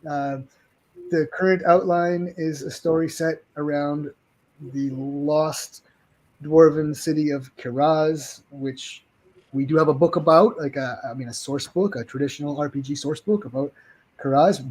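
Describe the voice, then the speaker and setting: A man talking as an interview guest about his game products, halting and restarting often. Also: a little high, steady tone, darkish tone, poor audio. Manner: halting, restarts with many ums and uhs. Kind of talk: casual interview chat.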